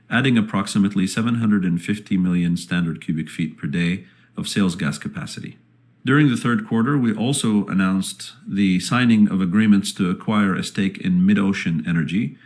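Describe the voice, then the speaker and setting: A man speaking as a company executive, reading a scripted earnings presentation in a formal, measured manner. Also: deep voice, darkish tone.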